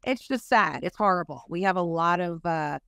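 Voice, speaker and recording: A woman makeup artist, a guest on a podcast, talking in an animated, chatty way full of fillers. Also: on the low side, normal speed, smooth, dry recording. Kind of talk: casual chat.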